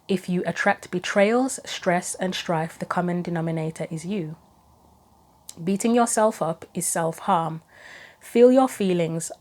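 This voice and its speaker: A woman giving a chatty solo tarot reading and reading guidebook passages aloud, her voice going hoarse. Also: fairly low pitch, a little mellow. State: losing her voice, throat going. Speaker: tarot reader.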